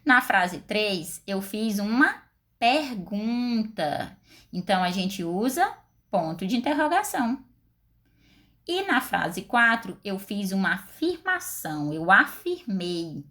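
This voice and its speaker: A woman teacher with a Brazilian Portuguese accent speaks slowly and deliberately, her pitch rising and falling widely. She walks her pupils through each step and keeps asking them questions. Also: sing-song, fairly bright tone. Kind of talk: recorded class lesson.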